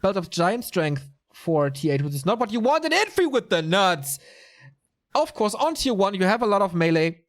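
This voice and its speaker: A man's voice: high voice, big pitch swings, moderate pace. A man giving casual solo commentary on a live strategy game tournament, chatty and answering viewer chat as he goes. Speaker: esports commentator.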